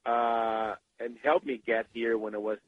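A man from Brazil with a Brazilian Portuguese accent, a guest in an interview, talking eagerly with many halting restarts. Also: mid-range voice, fairly even intonation, no room sound. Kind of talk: interview over phone. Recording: tinny phone line.

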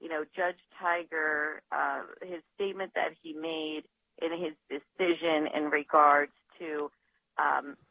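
A woman lawyer, a guest on a radio show, talking over the phone in a measured, analytical way with some hesitations. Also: low voice, expressive, gravelly, no echo. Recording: dull phone line, dry.

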